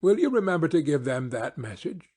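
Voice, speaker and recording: A man's voice: on the high side, very animated, brisk, darkish tone, slightly rough. A man playing a confident, eager male detective in an audiobook, with commanding, precise phrasing. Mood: brisk, assured. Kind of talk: audiobook character acting.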